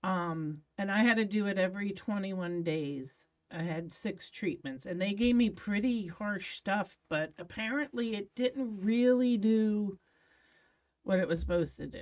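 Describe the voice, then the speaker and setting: Speaking at a fairly slow pace, a woman uses lively intonation. Her pitch is medium. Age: 50s. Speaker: cancer survivor, restaurant worker. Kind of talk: casual interview. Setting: studio. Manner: animated.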